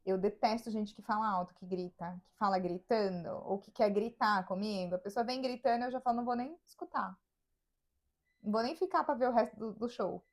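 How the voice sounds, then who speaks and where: A woman's voice: medium pitch, fairly quick. A Brazilian woman with a Brazilian Portuguese accent, co-hosting a casual podcast conversation and telling personal stories. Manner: storytelling, acts out quoted voices. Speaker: podcast co-host.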